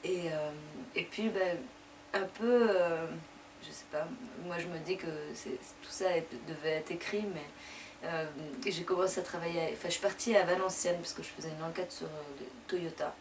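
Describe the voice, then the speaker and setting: A woman's voice: lowish voice, fairly even intonation. Young woman recounting her path, mic set back. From France. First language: Persian. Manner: conversational, loosely paced with frequent pauses. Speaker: deputy mayor interviewee. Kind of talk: interview answers, personal story. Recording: distant mic with clear background noise.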